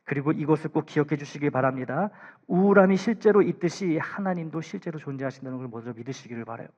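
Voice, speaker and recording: A man preaching a sermon as pastor in a church, pleading, with hushed asides and raised emphatic lines. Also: fairly high pitch, fast talker, highs cut off. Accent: Korean. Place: church sanctuary.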